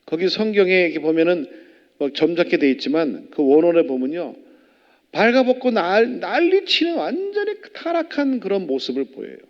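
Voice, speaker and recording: Animated male pastor preaching. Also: sits high, moderate pace. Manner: animated, fires rhetorical questions at the congregation. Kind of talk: sermon. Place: church sanctuary. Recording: long church reverb, dull lo-fi.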